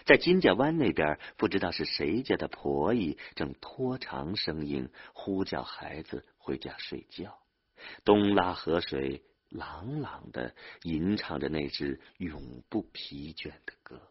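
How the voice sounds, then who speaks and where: A man's voice: rumbling low, expressive, a little slow, husky, dull audio. A man narrating a novel as an audiobook, telling the story expressively with dramatic swings.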